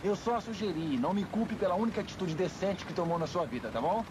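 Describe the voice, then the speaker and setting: An actor playing an exasperated, principled pilot in a dubbed action comedy film, with noise behind him. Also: male voice, high-pitched, lively intonation, fast talker.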